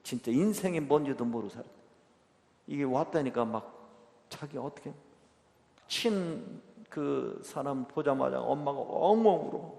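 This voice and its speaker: Gravelly-voiced priest telling a story in a hall. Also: male voice, mid-range voice, expressive, measured pace. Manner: swings from hushed near-whisper to loud, emotional storytelling. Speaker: Catholic priest. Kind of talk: retreat catechism lecture with storytelling. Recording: echoey hall with long reverb.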